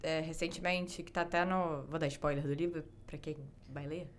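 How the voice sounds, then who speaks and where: A woman with a Brazilian accent, a poet talking candidly and lively as a podcast guest. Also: low voice, moderate pace. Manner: candid, lively, self-deprecating. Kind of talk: casual interview chat.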